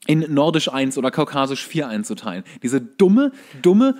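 A man's voice: mid-range voice, big pitch swings, moderate pace, darkish tone. A man co-hosting a casual podcast, bantering and ranting in a sarcastic, sweary way. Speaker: podcast co-host.

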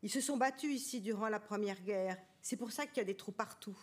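A woman reading a first-person memoir aloud on a literary stage, measured and intimate. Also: mid-range voice. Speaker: reader of a memoir.

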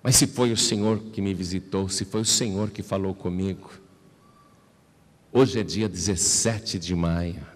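A man preaching a personal testimony, shifting from slow, hushed, low delivery to high, emotional outbursts. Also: steady tone. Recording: long hall reverb.

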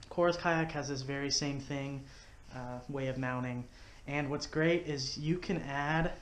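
Relaxed man explaining a DIY build. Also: fairly high pitch. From Texas. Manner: relaxed, step-by-step explaining while working with his hands. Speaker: fishing video host. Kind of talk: casual how-to demonstration. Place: living room at home, indoors. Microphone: head-mounted action camera.

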